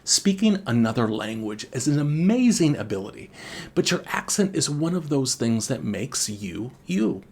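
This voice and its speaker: A man teaching exam speaking skills in a scripted video lesson, speaking deliberately with expressive intonation. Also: medium pitch, breathy edge. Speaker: IELTS teacher and former examiner.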